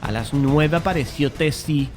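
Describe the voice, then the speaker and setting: A man playing a painter who narrates a dramatized horror tale in a measured, literary way, curious and uneasy. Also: on the high side, music in the background, natural voice. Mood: calm, reflective. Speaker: narrator and lead character.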